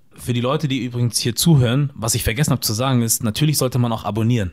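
Against a quiet background, a man speaks at a very fast pace with a medium pitch and ordinary pitch variation. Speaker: podcast host. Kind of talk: interview. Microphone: studio mic.

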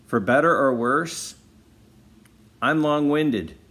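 The man speaks at a moderate pace. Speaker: sports card collector channel host. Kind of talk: casual vlog Q&A chat. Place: home room. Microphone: phone near.

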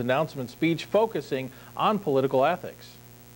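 With music in the background, a man talks at a fairly quick pace, using a fairly high pitch and lively intonation. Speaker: TV news anchor and reporter. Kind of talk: TV news report narration. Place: studio. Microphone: lapel.

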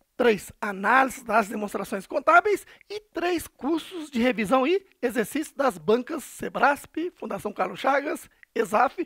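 A man speaks at a fairly slow pace, his voice dry with no echo against a quiet background. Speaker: online course seller. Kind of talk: sales pitch. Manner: emphatic, persuasive, with repeated 'but forget that' price drops. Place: studio. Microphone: headset.

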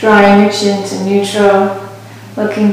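Strong room echo and light background noise surround a woman talking at a very slow pace. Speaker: yoga teacher. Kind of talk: guided class instruction. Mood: calm, soothing. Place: empty room. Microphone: camera far.

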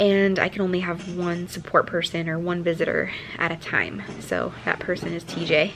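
A woman's fairly low voice at a moderate pace over light background noise. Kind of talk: casual vlog chat. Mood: anxious, worried. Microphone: phone near.

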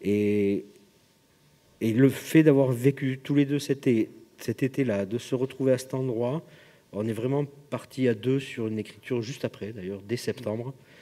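A man's dark, mellow tone at a fairly slow pace, with fairly even intonation and long, frequent pauses. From French Pyrenees (Lourdes); French Pyrenees. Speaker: film director; guest. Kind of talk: public Q&A talk; interview answer. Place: hall. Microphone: handheld.

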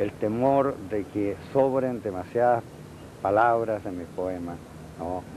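There is light background noise and a dry sound with no echo. A man speaks in a fairly low pitch. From Chile. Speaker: poet and literature professor; poet, literature professor. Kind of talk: interview. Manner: halting, many hesitations and repeated words. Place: street.

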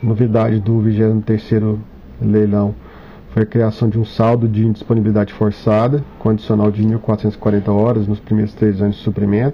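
Against light background noise, a man with a fairly low pitch speaks at a moderate pace in monotone, flat intonation. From Brazil. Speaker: regulatory agency technical staff. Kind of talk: formal technical presentation. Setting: video call. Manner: halting. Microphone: video call.

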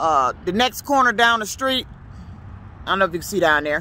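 A man shouts in a raised, projected voice, pitched high for a man, with a bright, sharp, furious tone and lively intonation, the sound dry with no echo. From Detroit, Michigan. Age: 50s. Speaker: independent truck driver vlogger. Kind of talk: angry rant, vlog-style, cursing about trucking companies. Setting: outdoors on a street corner, filming himself. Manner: furious, loud, profane, venting with repeated emphasis. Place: street. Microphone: phone near.

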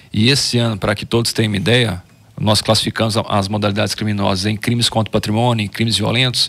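A man's fairly low voice, fairly quick, with fairly even intonation. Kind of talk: interview answer. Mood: serious, formal. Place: studio. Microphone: studio mic.

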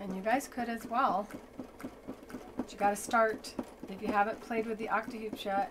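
Against noticeable background noise, a woman with a fairly high pitch speaks with fairly even intonation and long, frequent pauses. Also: moderate pace. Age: 60s. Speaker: sewing and embroidery instructor. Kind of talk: tutorial. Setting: live stream.

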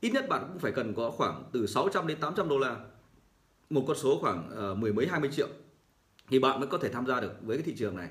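The speaker is a man with lively intonation. He talks at a very fast pace. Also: medium pitch for a man. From Vietnam. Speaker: online trading educator. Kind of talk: livestream tutorial. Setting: livestream. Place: home room. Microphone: webcam.

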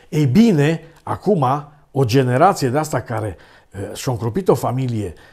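Against a quiet background, a man with a fairly high pitch and vocal fry speaks with very wide pitch swings. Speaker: political commentator. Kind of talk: angry rant. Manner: sarcastic, indignant; loud, ironic. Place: home room.

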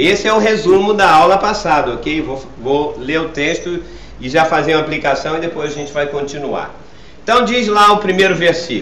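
Audible room echo surrounds a man with a high pitch. He talks at a moderate pace with ordinary pitch variation. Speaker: pastor teaching a class. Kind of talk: sermon-like Bible lesson. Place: garden.

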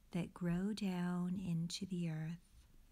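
A woman talks at a very slow pace with a fairly low pitch. Her tone is gentle and soothing, and somewhat breathy. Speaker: meditation and art teacher. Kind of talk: guided meditation with gentle spoken instructions for posture, breath and imagery. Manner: slow, soothing, softly paced with calm pauses for silence; gentle, warmly encouraging, quietly reassuring.

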